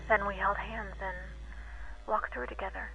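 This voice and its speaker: A woman's voice: medium pitch, little pitch movement, slow pace, gravelly, dull audio, over loud music. A woman playing a puzzled, skeptical wife. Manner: questioning, with light laughs.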